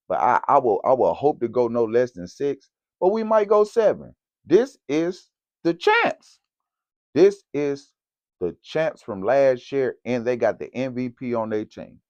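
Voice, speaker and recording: A man giving casual, slangy basketball commentary as a vlogger, in an animated, direct way. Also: mid-range voice, measured pace, dry recording. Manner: animated, slangy, talks straight to camera. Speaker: sports vlogger. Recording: dull, lo-fi, dry recording.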